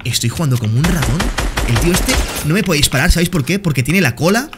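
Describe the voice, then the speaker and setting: Streamer joven, acento peninsular, comentario de juego acelerado y bromista; grabación con ruido y clics. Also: male voice, a little high, quick pace, heavy background noise. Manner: excitable, talks to viewers as "señores" and "tío", jokey. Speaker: gaming streamer. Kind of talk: excited gameplay commentary.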